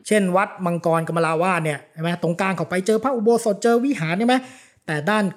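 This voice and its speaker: Lecturer guy hosting a chat show, talks fast, lots of "ah" and "yes yes". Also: sits high. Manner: fast, explains with many "ah" fillers and repeated "yes yes". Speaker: podcast host, philosophy lecturer. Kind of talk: casual explanatory talk.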